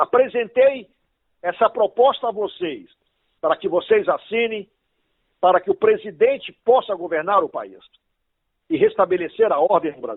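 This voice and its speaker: Pitched high, a man talks at a fairly slow pace with very wide pitch swings. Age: 60s. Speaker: lawyer and professor. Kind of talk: interview. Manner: formal.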